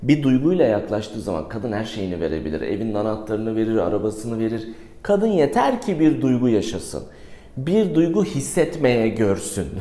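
Speaking at a moderate pace, a man's voice carries audible room echo. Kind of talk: casual vlog commentary. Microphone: lapel.

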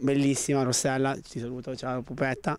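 A man's voice comes through dry, with no echo. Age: 30s. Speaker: magician and clown with a bone disease; interviewee. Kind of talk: interview testimony. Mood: warm, grateful. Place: garden. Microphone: handheld.

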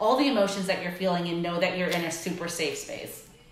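A woman talks with fairly even intonation in a recording with audible room echo. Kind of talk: casual conversation while working. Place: shop.

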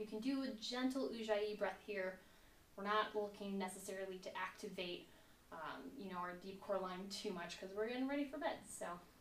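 The room echo is audible, along with light background noise. A woman talks at a fairly quick pace with ordinary pitch variation. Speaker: yoga instructor. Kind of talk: tutorial. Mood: calm, soothing. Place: home room.

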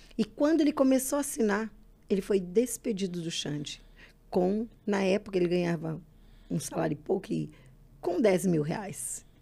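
A woman at a moderate pace, with a dark, mellow tone, very wide pitch swings and long, frequent pauses. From Rio Grande do Sul, Brazil. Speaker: mother sharing faith testimony; podcast guest. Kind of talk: testimony. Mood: earnest, emotional testimony. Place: studio. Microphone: studio mic.

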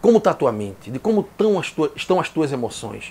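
A man speaks with very wide pitch swings. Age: 50s. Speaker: health YouTuber; health channel host. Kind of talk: direct-to-camera vlog monologue. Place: home room.

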